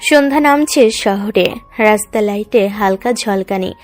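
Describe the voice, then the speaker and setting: A woman narrates a romance story in a dramatic, descriptive style. Her voice sits at a middle pitch. Soft background music plays faintly. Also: unhurried.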